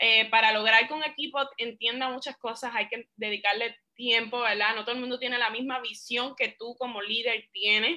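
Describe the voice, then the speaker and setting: A woman speaks at a moderate pace with hardly any pauses, her fairly high voice carrying a bright, sharp tone. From Puerto Rico. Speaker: fitness coach, trained nurse. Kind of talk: motivational interview. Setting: conference call. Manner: energetic.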